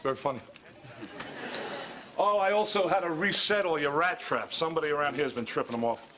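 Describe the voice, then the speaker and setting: An earnest, touchy exterminator. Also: male voice, on the high side, fairly quick, pushed and bright. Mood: matter-of-fact. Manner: earnest, touchy, spins odd theories. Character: earnest touchy male exterminator, conspiracy-minded. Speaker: building exterminator.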